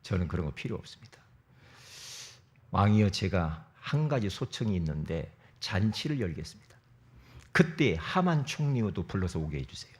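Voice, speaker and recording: A man voicing a humble young queen who pleads in a low, subdued way. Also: sing-song, moderate pace.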